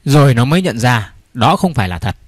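A man's voice: mid-range voice, very animated, a little fast, slight background noise. A man reading short comic stories aloud, raising his voice for the characters in them. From Vietnam. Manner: puts on raised voices for characters in the jokes. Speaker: joke teller.

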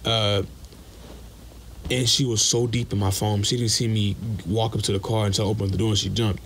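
A young man with a low voice tells a personal story in a casual voice message. He is blunt and curses freely, and acts out the dialogue as he goes. Faint noise sits behind him. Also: little pitch movement, a little fast, fairly bright tone. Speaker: listener sending a voice message.

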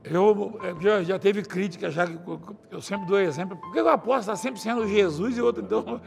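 A middle-aged preacher with a high, gravelly voice delivers a chatty, animated sermon, acting out scenes as he goes. His voice carries long reverb from a large church, and soft music plays beneath it. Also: a little fast. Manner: chatty and animated, acts out scenes, laughs often. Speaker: apostle, preacher. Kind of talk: conversational sermon.

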